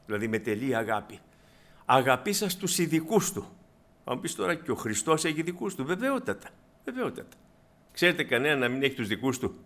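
Male preacher, fervent sermon, slightly raised pitch, loud bursts then hushed asides, meeting hall. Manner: fervent, addresses listeners as brothers, swings between loud emphasis and quiet asides.

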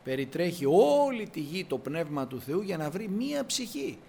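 A man's voice: a little high, creaky, slightly rough. A man preaching a sermon in Greek, telling biblical stories with acted-out dialogue and repeating words for emphasis. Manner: animated storytelling, acting out biblical dialogue.

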